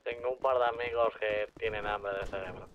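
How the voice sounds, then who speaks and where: A man's voice: on the low side, steady tone, brisk, highs cut off, a little hiss or hum. A man with a Spain accent talking casually and colloquially while playing a roleplay game, swearing freely. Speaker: gaming streamer.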